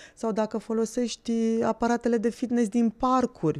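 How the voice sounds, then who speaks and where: A woman with an unremarkable speaking voice, fairly high in pitch, at a fairly slow pace. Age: 40s. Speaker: fitness instructor. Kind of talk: casual chat.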